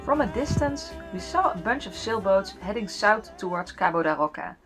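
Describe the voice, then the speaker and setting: A woman whose first language is Dutch, narrating a sailing vlog as voice-over in a steady, matter-of-fact way. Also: medium pitch, normal speed, over music. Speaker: vlogger narrating a sailing trip.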